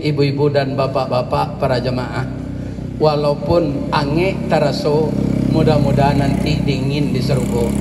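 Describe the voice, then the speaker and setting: Minangkabau-accented preacher in an echoey hall. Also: male voice, on the high side, background noise. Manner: lively, addresses the crowd with tag questions. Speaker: Islamic preacher. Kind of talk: sermon with storytelling and jokes. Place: large hall with a congregation. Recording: echoey hall with long reverb.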